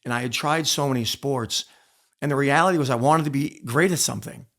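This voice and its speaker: Gravelly-voiced man telling stories emphatically. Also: medium pitch, a little fast, fairly bright tone. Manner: emphatic, repeats phrases for weight. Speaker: interview guest, former wrestler and coach. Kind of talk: candid storytelling in a podcast interview.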